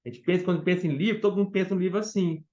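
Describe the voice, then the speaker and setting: A man's voice: high voice, steady tone, racing, darkish tone, dull audio. A man preaching a Bible study in Brazilian Portuguese, emphatic, often questioning his listeners.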